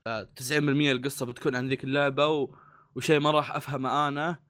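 A man's voice: medium pitch, level tone, racing, a bit bright. A man co-hosting a casual podcast chat, joking and self-deprecating, trailing off when he is unsure. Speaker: podcast co-host.

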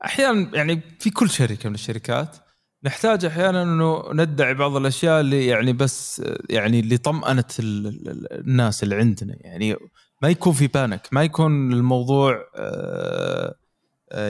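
A man's voice: medium pitch, very animated, fast talker, creaky. A man talking on a podcast in a hesitant way, full of fillers and restarts. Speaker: podcast co-host. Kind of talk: casual podcast discussion.

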